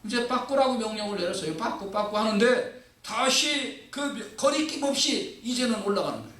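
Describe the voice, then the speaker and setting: A middle-aged man from Korea preaching a lively sermon as a pastor, acting out dialogues and leading his congregation in reading. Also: high-pitched, moderate pace. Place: church sanctuary. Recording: echoey church hall mic from a distance.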